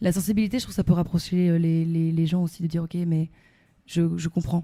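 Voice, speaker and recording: A woman's voice with a dark, mellow tone sits at a fairly low pitch. It sounds somewhat breathy. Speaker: interview guest. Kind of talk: casual interview. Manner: fast; hesitant, many fillers.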